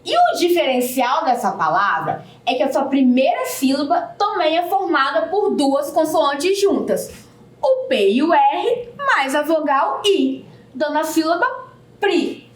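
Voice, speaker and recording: A woman teaches a recorded video lesson. Her voice is high, and she breaks words into syllables at a slow, careful pace. She sounds a little far from the mic in an echoey room. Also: very animated. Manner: slow, deliberate syllable-by-syllable explanation.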